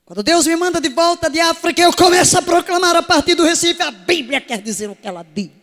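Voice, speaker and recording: A woman's voice: extremely high pitch, animated, fast, a bit bright, in a large hall. A woman preaching a sermon to her congregation in an emphatic way, full of rhetorical questions. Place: church service.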